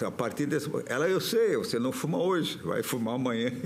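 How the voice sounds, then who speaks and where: Intonation is lively and the pace moderate. Noticeable background noise and audible room echo fill the recording. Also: man. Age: 90s. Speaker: veteran radio broadcaster. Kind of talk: interview, reminiscing.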